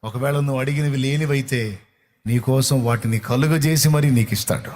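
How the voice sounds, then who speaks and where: A man's voice: medium pitch, normal speed, a little mellow. A middle-aged man preaching a sermon in a fervent, repetitive cadence. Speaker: pastor.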